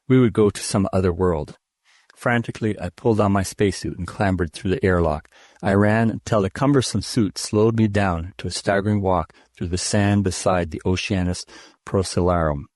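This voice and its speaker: A man reading a classic science fiction story aloud in steady, measured first-person narration. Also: deep voice, dry recording, clean studio sound. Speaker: audiobook reader.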